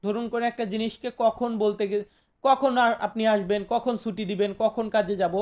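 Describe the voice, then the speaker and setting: A man from Bangladesh teaches words to his viewers one at a time. He says each term twice, slowly and deliberately. He often poses a question and then answers it himself. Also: sits high, steady tone, a little mellow. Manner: repeats each word slowly, asks rhetorical questions. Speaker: language teacher. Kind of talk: vocabulary lesson for viewers.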